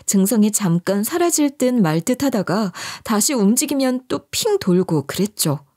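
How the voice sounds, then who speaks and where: A woman's voice: mid-range voice, sing-song, normal speed, warm tone. A woman narrating her own story in the first person, emotional and confiding.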